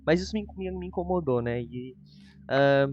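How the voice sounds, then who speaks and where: A man's voice: mid-range voice, normal speed, lo-fi sound. A Brazilian man hosting a reaction show, giving an informal, hedging review in casual conversation. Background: music.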